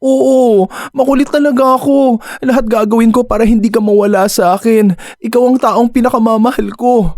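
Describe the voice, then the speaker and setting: A man's voice: very high voice, fairly even intonation, normal speed, darkish tone, no room sound, studio quality, faint music behind. An actor playing a clingy, lovestruck gay man in a radio drama, coaxing and wheedling as he talks. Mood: pleading, devoted.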